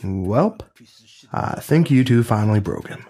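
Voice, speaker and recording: A man's voice: on the low side, animated, a little slow, mellow. A man playing a tabletop game, with a laid-back, drawling way of talking. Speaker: tabletop player.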